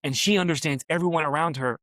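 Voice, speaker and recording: Fast and fairly high-pitched with a bit of brightness, this podcast host in his forties tells a long, rambling personal story. He's on a massage table in New York City, keeping the interview conversation casual and repeatedly tagging sentences with "right?" The studio sound is clean, with no room sound.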